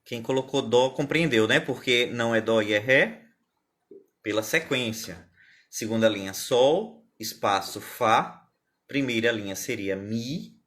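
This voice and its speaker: A man's voice: medium pitch, unhurried, a bit bright. Patient male music teacher. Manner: patient, explains step by step, asks viewers questions. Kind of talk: live online music theory lesson.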